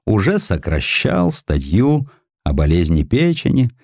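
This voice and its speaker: A male audiobook narrator with a low voice reads a literary historical sketch. His intonation moves animatedly through the phrases, and the recording is close and dry. The delivery is measured and expressive. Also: no room sound.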